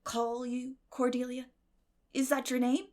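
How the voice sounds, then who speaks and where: A woman voicing a stern, practical older woman with a brisk, no-nonsense way of speaking in a storybook reading. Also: high-pitched, flat delivery, a little mellow, pitched above the performer's own voice. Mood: baffled, dismissive.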